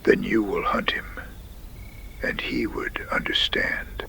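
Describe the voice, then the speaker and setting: A man playing a wise, solemn Native tribal chief in a frontier audio drama, speaking gravely with a breathy, gravelly voice that often drops to a whisper. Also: sharp tone. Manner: slow, measured, grave pronouncements.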